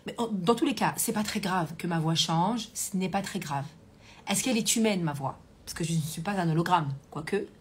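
A woman coach hosts a live stream through a Bluetooth hands-free earpiece, chatting casually, reading comments aloud and using many fillers. Her voice is lowish at normal speed, with a little hiss or hum.

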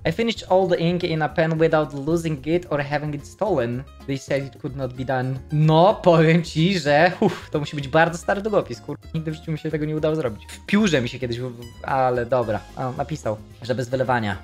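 A man's voice: a little high, a little fast, few pauses, darkish tone, soft background music. A man hosting a stream, casually reacting to memes in a loose, profane way. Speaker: streamer host.

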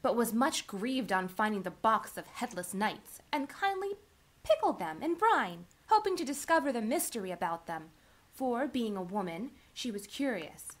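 A young lady carries the story on in a soft, chatty way, as a woman reader puts her on. Her voice is high and swoops freely. It is a storybook reading. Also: animated, normal speed. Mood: musing. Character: young woman Sally, flustered then inventive.

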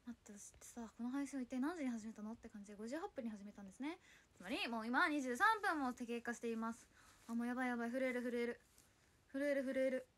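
High-voiced, flustered young woman livestreaming. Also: fast, fairly bright tone. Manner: chatty, flustered, reads and answers viewer comments. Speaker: idol livestreamer. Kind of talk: casual solo livestream chat.

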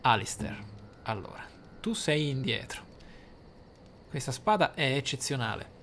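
A man commentating his game playthrough, thinking aloud in a deliberate, theatrical way with dramatic pauses. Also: medium pitch, sing-song, a bit bright, slight background noise. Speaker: gaming YouTuber, player. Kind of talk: game playthrough commentary with role-play musing. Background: game music.

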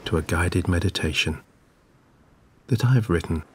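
A man narrating a scripted guided sleep meditation in a soothing, gentle, measured way. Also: deep voice, a little hiss or hum. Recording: clear background ambience of waves. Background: relaxing ocean wave sounds.

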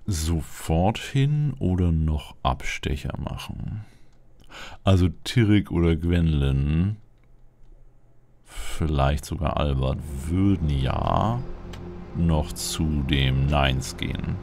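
Very low, gravelly gaming commentator, male. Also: expressive, slow pace, darkish tone. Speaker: Let's Play host. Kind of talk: casual gameplay commentary with roleplay.

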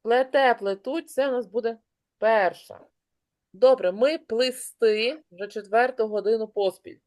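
A woman teaching an online class, brisk and encouraging, calling on pupils by name. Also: a little high, a little mellow.

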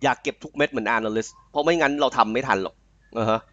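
A young man from Thailand tutoring a student live online. He reads the passage aloud slowly, then explains it in quick, chatty talk. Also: medium pitch, fairly bright tone, no echo, lo-fi sound. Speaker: IELTS tutor. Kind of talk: live online tutoring, Thai mixed with English. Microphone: online call mic.

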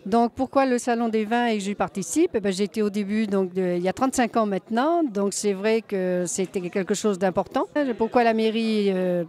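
A woman's voice: mid-range voice, darkish tone. A woman in her sixties, a local official, speaking plainly into a handheld mic. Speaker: deputy mayor.

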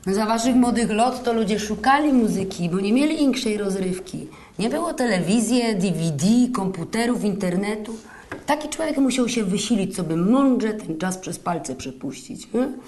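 A woman's voice: medium pitch, animated, moderate pace, a little mellow, a little hiss or hum, lightly acted. A woman playing a sceptical grumbler in a scripted radio dialogue, opinionated and speaking with a Silesian accent. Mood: reflective, critical. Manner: opinionated, complaining. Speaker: co-host of a radio show.

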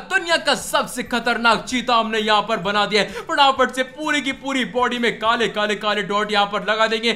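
An excitable man narrates gameplay like a story. His voice is extremely high-pitched and very bright, and his delivery is emphatic and repetitive. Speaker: gaming video creator.

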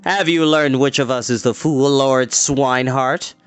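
A man voicing a brutal male warrior who speaks slowly and with open scorn, as in a read-aloud storybook. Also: medium pitch, clear, resonant tone, pitched above the performer's own voice, natural voice. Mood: scornful. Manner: slow, mocking, scornful delivery.

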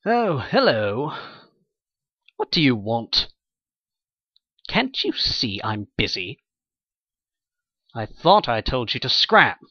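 Guy doing snooty irritable pony dude for a video game, slow drawl w big pitch swings, sarcastic, kinda dull mic. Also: dry recording. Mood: annoyed disdain. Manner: haughty, sarcastic, dismissive. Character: condescending, irritable, self-important male pony. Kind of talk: character voice audition for a fantasy game.

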